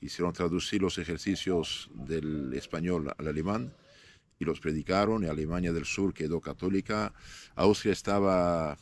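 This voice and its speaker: In a low, darkish voice, a man in his fifties who was born in northern Syria and first spoke Aramaic answers questions as a priest being interviewed. He is measured but halting, leaning on frequent "eh" fillers and restarting his thoughts.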